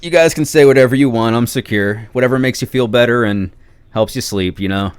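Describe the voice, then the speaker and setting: A man's voice: medium pitch, brisk, clean tone, no echo. A man chatting casually as a podcast guest in a laid-back, self-deprecating way. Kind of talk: casual chat.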